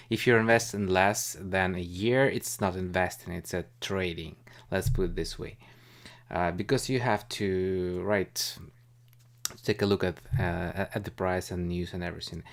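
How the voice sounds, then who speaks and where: A deep-voiced man runs a live stream, talking informally and somewhat haltingly as he rambles on about investing.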